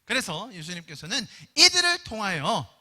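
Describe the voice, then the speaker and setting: A high, very bright male voice preaches with lively, swooping pitch. He tells the story in an animated way and acts out each voice. The sound carries a long reverb from a church hall. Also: moderate pace. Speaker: pastor. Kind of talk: Korean sermon.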